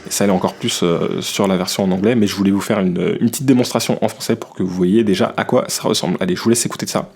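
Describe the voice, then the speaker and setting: A man from France hosts a casual tech news podcast. His voice sits a little low, and he rambles in an easygoing way, dropping in little tags as he goes. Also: fast, vocal fry, few pauses, a little hiss or hum. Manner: relaxed, loose, peppered with "hein". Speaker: podcast host.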